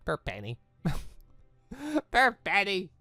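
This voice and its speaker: Bright, animated, chatty gaming YouTuber. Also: mid-range voice, very slow, no room sound, faint music behind. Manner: chatty, rambling, enthusiastic. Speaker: gaming YouTuber, let's player. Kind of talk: casual playthrough commentary and sign-off.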